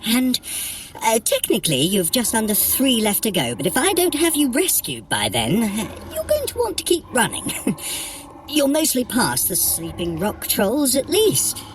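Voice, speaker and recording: Haughty, wildly expressive trickster god. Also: female voice, on the high side, unhurried, noisy background. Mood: flustered, alarmed. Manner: theatrical, condescending, with flustered hesitations. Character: haughty, sardonic trickster god, grudgingly guiding a mortal. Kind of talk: scripted audio adventure acting.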